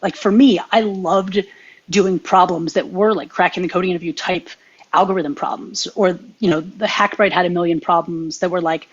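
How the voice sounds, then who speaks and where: A young adult woman co-hosting a podcast, giving earnest, animated advice in casual chat. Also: on the low side, moderate pace, breathy edge, dull audio. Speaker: podcast co-host.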